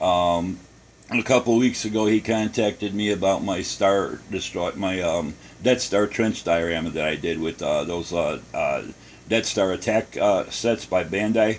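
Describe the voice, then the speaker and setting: A man's fairly low voice at a moderate pace. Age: 60s. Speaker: hobby model builder vlogger. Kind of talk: casual vlog update. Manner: halting, many fillers.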